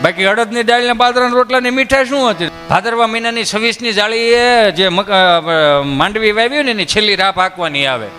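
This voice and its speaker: High bright-voiced man telling folk jokes. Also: brisk, hardly any pauses, big-room sound, faint music behind. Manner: acts out villagers' voices in his tales. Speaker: folk comedian. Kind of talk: Gujarati folk comedy storytelling on stage.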